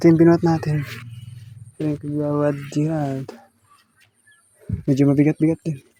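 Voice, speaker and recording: The speech moves at a fairly quick pace but stops for long, frequent pauses. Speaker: vlogger. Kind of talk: casual vlog narration.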